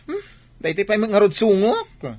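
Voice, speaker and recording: A woman's voice: mid-range voice, wildly swooping pitch, unhurried, a little mellow. Plaintive gay village cousin acted by a woman. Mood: plaintive complaining. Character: put-upon gay male village cousin, plaintive and wistful. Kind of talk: village comedy radio drama acting.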